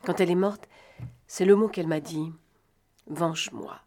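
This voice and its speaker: A weary, guilt-ridden young adventuress murmuring a confession, as a woman reading the novel voices her. Her very low voice drops softer still and sounds exhausted. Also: normal speed, lightly acted. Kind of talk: audiobook reading.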